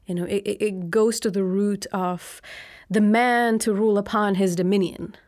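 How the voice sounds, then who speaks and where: A woman's voice: mid-range voice, steady tone, moderate pace, darkish tone, no room sound. Young woman, native Lithuanian speaker, reflective interview guest; hesitant, searching delivery in a dry room. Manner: thoughtful, many ums and uhs, often adds "right?". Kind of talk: reflective conversational answer.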